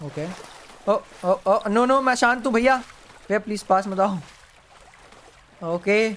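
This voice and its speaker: A man's voice: high voice, takes it slowly, slight background noise. Jumpy male streamer yelping at a game. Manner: jumpy, yelps and pleads with the monster, then hushes to a whisper. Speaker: gaming streamer. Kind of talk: live gameplay commentary.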